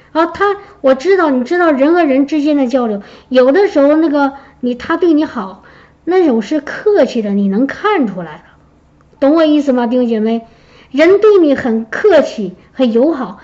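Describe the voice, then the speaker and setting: A woman giving a personal testimony to her congregation, telling her story in a lively way and acting out what others said. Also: high voice, lo-fi sound. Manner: lively storytelling, acts out quoted speech. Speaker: church member giving a testimony.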